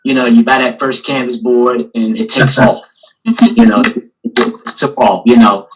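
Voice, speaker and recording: Husky man, rambling talk. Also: medium pitch, very animated, moderate pace, poor audio. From Newport News, Virginia. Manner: rambling, many "you know" fillers. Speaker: artist and guest curator. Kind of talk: casual panel talk. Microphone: video call.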